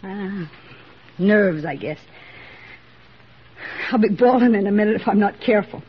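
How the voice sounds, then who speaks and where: A woman's voice: medium pitch, measured pace, breathy edge. An actress playing a young army nurse who has just lost her husband, subdued and holding back tears. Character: grieving young wartime nurse, female, widowed. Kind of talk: 1940s radio acting. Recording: dull old radio recording, faint hiss.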